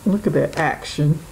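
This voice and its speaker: Over a noisy background, a woman with a fairly low voice gives an intuitive tarot reading. She muses aloud, addresses both spirit and the viewer, and laughs often.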